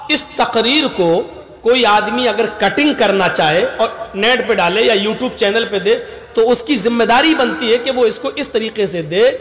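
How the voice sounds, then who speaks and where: A man from northern India preaching a sermon at a religious gathering, animated, sometimes shouting and quizzing the audience. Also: high voice. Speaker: Islamic preacher. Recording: echoey hall with long reverb.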